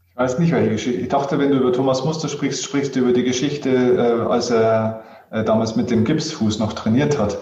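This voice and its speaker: Over noticeable background noise and audible room echo, a man with a medium pitch speaks at a moderate pace, with very even loudness and ordinary pitch variation. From Lower Bavaria, Germany. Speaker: mental coach and author. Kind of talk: interview conversation.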